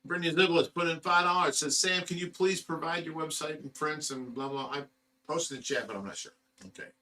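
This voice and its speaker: Male livestream host, bright tone, banter and laughs, slightly distant from the mic. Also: a little high, a little fast. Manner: laughs often, jokey banter. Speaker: livestream host reading chat. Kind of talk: casual livestream chat. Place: indoors at a fish rescue.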